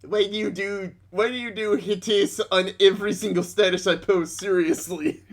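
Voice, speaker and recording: A man's voice: high-pitched, steady tone, moderate pace, slight background noise. A man voicing a dim, stubborn internet poster, whiny and argumentative, in a comic reading of posts. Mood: whiny, indignant. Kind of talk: comic dramatic reading of social media posts.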